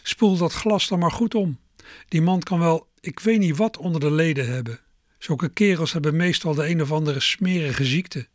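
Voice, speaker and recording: Man doing a high, sharp-tongued aunt, fussy and scolding, storybook reading, dry sound. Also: normal speed, no room sound, natural voice. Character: stern fussy middle-aged aunt.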